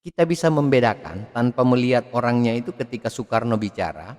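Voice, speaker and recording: A man giving a video lecture on public speaking, expressive, swinging his pitch and loudness to demonstrate. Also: a little fast. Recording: long hall reverb.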